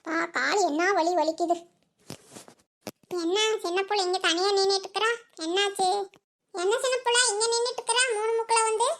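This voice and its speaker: Someone voicing a shrill old mother-in-law. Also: fairly even intonation, moderate pace, fairly bright tone. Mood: scolding. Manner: scolding, nagging. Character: old village mother-in-law, bossy, scolding. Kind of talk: cartoon voice acting.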